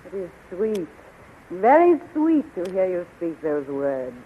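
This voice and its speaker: A woman's voice: on the low side, sing-song, slow pace, slightly rough, exaggerated voice. An actress playing a seductive, imperious wicked queen in a 1930s radio serial, coy and commanding. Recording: muffled, lo-fi 1930s radio recording.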